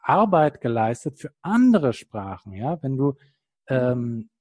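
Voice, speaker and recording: A male podcast host talks through language-learning examples, rephrasing patiently for his guest. His voice sits at an average pitch and sounds close and dry, with little room around it. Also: sing-song, slow, a little mellow, dry recording. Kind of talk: casual interview.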